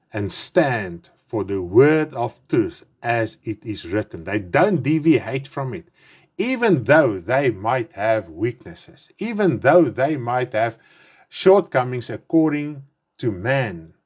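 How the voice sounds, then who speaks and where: A South African pastor in his fifties, whose first language is Afrikaans, preaches an earnest online sermon in English with an Afrikaans accent. His pitch swings widely, rising on emphatic words and dropping at phrase ends. His voice is slow, a little mellow, and slightly rough, his mouth is dry, and he repeats and rephrases as he goes.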